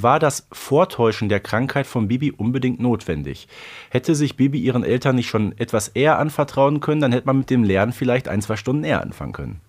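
A man in his thirties co-hosting a podcast in casual chat, measured and wry. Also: mid-range voice. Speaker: podcast co-host.

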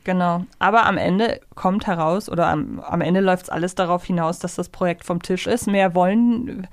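A woman's voice: lowish voice, normal speed, no room sound. A woman co-hosting a conversational review podcast in standard speech, talking in a considered, articulate way. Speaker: podcast co-host.

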